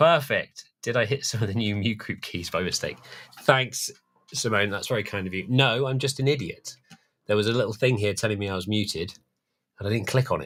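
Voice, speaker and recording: Talking at a fairly quick pace, a man speaks with a medium pitch. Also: ordinary pitch variation. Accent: Cornish. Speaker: product specialist demonstrating audio mixers. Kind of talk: live stream product demo. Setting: live stream. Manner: relaxed, casual.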